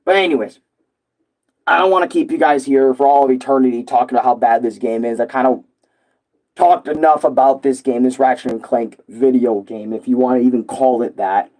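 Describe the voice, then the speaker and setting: Hoarse young man ranting casually. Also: mid-range voice, brisk, darkish tone, poor audio. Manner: loose, profane, rambling with many fillers. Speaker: gaming streamer. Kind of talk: casual rant to viewers.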